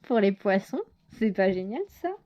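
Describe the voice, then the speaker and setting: A woman's voice: mid-range voice, big pitch swings, normal speed, dark tone. A woman giving a casual tarot reading to her viewers, talking hesitantly with lots of fillers and self-corrections. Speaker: tarot reader.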